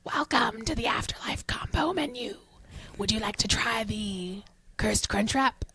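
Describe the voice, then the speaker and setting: A woman doing a fuzzy, raspy haunted register speaker. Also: fairly high pitch, measured pace, crowd noise. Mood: creepy. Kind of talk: podcast storytelling.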